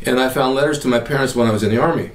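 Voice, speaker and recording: An older man from California hosting his own podcast, telling rambling stories in casual chat. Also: medium pitch. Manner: rambling storyteller, quick and chatty. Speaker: podcast host. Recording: roomy echo, mic at a distance.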